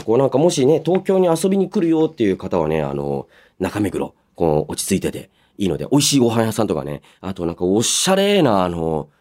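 Radio host, male, 30s. Very lively intonation, casual and chatty delivery. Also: fairly low pitch. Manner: animated, chatty, interjects own reactions while reading. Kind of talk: casual radio chat, reading listener mail and reacting.

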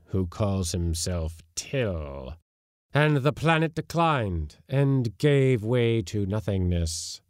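Man reading as ancient alien spirit warlord, bodiless, boastful, slow grand booming delivery, dry close sound. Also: darkish tone, dry recording.

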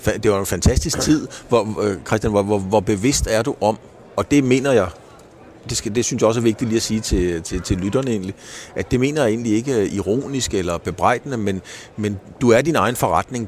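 A man's voice: fairly low pitch, a little mellow. A man hosting an interview, asking careful, hedged questions with frequent restarts. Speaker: podcast interviewer. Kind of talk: conversational interview.

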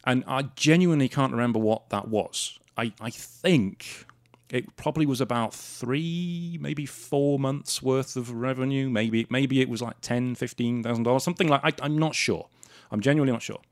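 A man's voice: medium pitch, moderate pace, dry recording, studio quality. A man from South Wales hosting a podcast, telling a story in an indignant, sarcastic way. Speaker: podcast host. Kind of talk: casual storytelling monologue.

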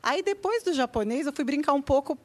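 A woman's voice: high voice, expressive, a little fast, dry recording. A woman guest on a talk show chatting about her time learning languages abroad. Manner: chatty, laughing anecdotes. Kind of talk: casual chat.

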